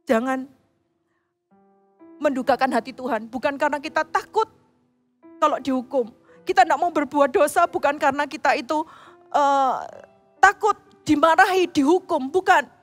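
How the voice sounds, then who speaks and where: A woman preaches to children in church, telling the story in an animated way and acting out the characters' lines. Her voice sits high, and faint music plays behind her. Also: normal speed, long pauses. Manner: animated storytelling, acts out quotes. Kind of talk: sermon to children.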